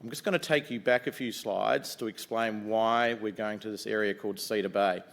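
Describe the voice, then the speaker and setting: A middle-aged man with a New Zealand accent and a loud voice, giving an upbeat investor presentation in a conference room, talking casually with lots of ums and uhs. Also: steady tone, moderate pace, gravelly. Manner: upbeat, conversational pitch with frequent ums and uhs. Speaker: mining company executive presenting to investors.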